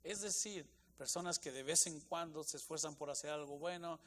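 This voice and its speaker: A pastor preaching with repetition and fervor. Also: male voice, on the high side, moderate pace, a bit bright. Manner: preaching with rising intensity, repeats phrases for emphasis. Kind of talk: sermon.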